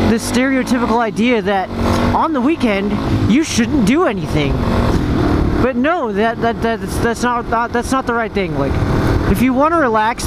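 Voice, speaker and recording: A young American adult motovlogger casually and earnestly thinking aloud, rambling and repeating phrases, recorded while riding a motorcycle. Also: medium pitch. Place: outdoors, riding a motorcycle on open roads. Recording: very loud wind and motorcycle road noise. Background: engine, traffic and wind noise.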